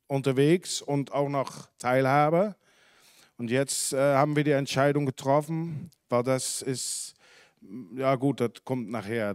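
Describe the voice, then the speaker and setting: A man in his forties from the Netherlands, a dairy farmer speaking German with a Dutch accent, giving a halting talk full of fillers and self-corrections into a handheld mic in a conference hall. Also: mid-range voice, darkish tone, clear, resonant tone, clean studio sound. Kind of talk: unscripted talk at a symposium. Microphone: handheld microphone.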